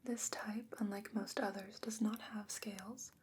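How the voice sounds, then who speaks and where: Whispering, even-toned fantasy scholar played by a woman. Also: mid-range voice, slight background noise, natural voice. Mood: calm, studious. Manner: hushed, measured, explaining patiently. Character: gentle, scholarly fantasy woman, patient defender of merfolk. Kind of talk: soft-spoken whispered ASMR fantasy roleplay.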